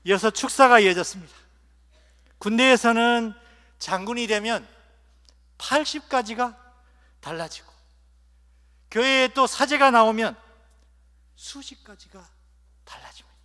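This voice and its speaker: A man preaching as a bishop at an ordination, telling humorous stories and letting his phrases trail off softly at their ends. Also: very high voice, unhurried, pauses often. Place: large cathedral. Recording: long cathedral reverb.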